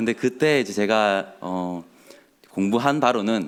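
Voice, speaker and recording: Speaking with a Daegu accent, the man uses lively intonation. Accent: Daegu (Gyeongsang). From Daegu, South Korea. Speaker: pastor. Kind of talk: sermon. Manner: frequent filler 'eo' pauses.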